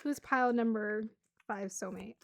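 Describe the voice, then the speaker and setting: A woman doing a casual tarot reading to camera, chatty and bubbly, laughing often and a little hoarse from losing her voice. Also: on the high side, normal speed. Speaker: tarot reader.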